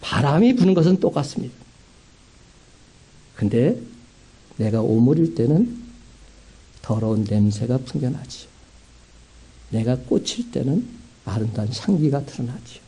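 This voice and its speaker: A man preaching a sermon as a pastor, with emphatic rising climaxes and slow, stressed phrases. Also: mid-range voice, sing-song, mellow, breathy edge.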